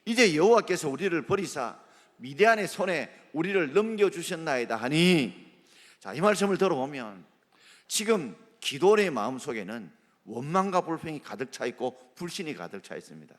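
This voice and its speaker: A man preaching a sermon as pastor, quoting scripture and asking the congregation questions in an animated way. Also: a little high, moderate pace. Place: church sanctuary. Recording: long church reverb.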